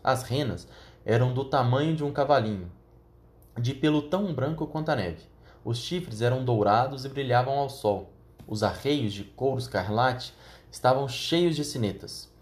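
Male narrator, audiobook, mid-pitched, steady measured storytelling. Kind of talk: audiobook reading.

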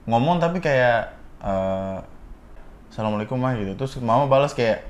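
A young man, co-hosting a casual chat and telling a story with quick slangy asides and many restarts. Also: mid-range voice, expressive, lo-fi sound.

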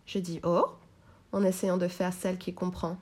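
Mellow-voiced woman reading a novel aloud. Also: on the low side, level tone, moderate pace. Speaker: reader.

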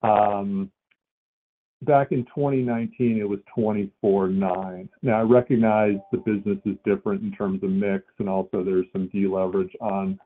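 Male analyst caller, slightly deep voice, halting think-aloud questioning, narrow phone-line audio. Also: fairly even intonation. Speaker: financial analyst asking questions. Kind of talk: earnings call questioning. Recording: band-limited phone line.

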